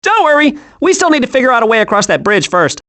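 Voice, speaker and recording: A man voicing an excitable, scatterbrained, cheerful young male squirrel with a childlike, eager delivery in an animated video game. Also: very high voice, fast talker, exaggerated voice. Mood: earnest, scatterbrained.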